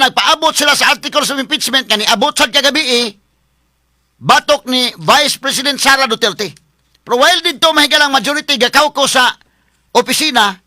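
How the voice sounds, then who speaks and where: High, bright-voiced Cebuano man chatting. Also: no echo, studio quality. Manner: chatty, addresses viewers as friends. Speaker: commentary vlog host. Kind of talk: casual political commentary.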